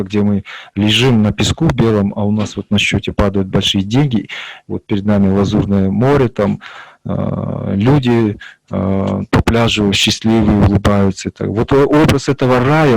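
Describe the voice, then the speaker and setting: A man, a psychologist guest, explaining in a measured way. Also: on the low side, vocal fry, no room sound, poor audio. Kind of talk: interview explanation.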